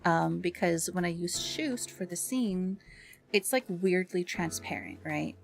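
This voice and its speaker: A woman's voice: fairly low pitch, measured pace, creaky, faint music behind. A woman hosting a livestream in casual, chatty talk with self-deprecating grumbling, speaking into a streaming mic. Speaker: livestream host.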